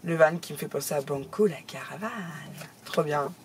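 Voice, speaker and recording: A middle-aged woman chatting casually to her viewers as she opens fan mail, talkative and quick to laugh. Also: sits low, slight background noise. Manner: chatty, laughs often, exclaims. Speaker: craft YouTuber opening fan mail. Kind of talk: casual chat to camera.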